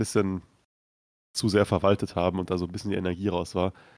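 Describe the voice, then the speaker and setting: A man talks very fast in a monotone, flat delivery, with a dry, close sound, no echo, and a very clean recording over a silent background. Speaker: football podcast host. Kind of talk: casual chat.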